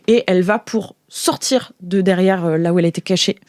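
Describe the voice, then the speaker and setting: A woman's voice: fairly low pitch, a little fast, darkish tone, no room sound, clean studio sound. A woman improvises colloquial narration as game master, piecing sentences together hesitantly. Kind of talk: improvised narration of a tabletop role-playing game.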